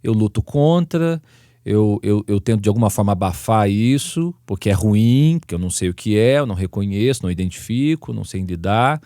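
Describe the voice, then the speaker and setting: A man with a Brazilian Portuguese accent hosting a church podcast, speaking calmly and reflectively. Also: fairly low pitch, brisk, dry recording, studio quality. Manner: calm, reflective, frequent soft backchannels. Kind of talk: casual podcast conversation.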